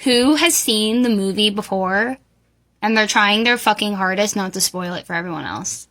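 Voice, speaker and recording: A woman's voice: medium pitch, moderate pace, bright, forceful tone. A woman giving casual reaction commentary in an informal, exclamatory way with plenty of swearing.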